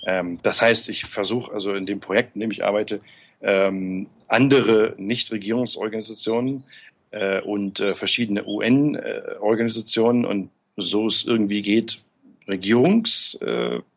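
A man's voice: lowish voice, measured pace, vocal fry. Hesitant man full of fillers. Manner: hesitant, many fillers and restarts. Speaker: aid worker being interviewed. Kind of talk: casual interview.

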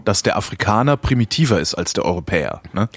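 A man in casual chat, telling a story with lively energy and often searching for words. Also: on the low side, fast talker, dry recording.

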